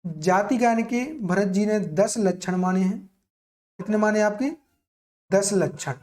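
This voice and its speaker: A man's voice: sits high, unhurried, darkish tone. A man with an Indian accent teaching an exam-prep lesson, didactically repeating key points as questions and answers. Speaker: music teacher.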